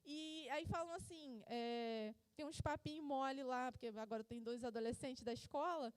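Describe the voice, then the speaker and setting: A woman's voice: high voice, moderate pace, no echo. A middle-aged woman with a Brazilian Portuguese accent preaching in church, telling stories in a chatty way and acting out what her family said. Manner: conversational storytelling, acting out her family's lines. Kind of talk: sermon. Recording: music playing behind.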